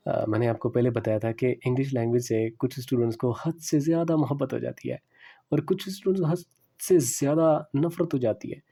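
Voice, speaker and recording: A man giving a classroom lecture on English pronunciation, explaining slowly and repeating the example words. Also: mid-range voice, warm tone, slightly rough.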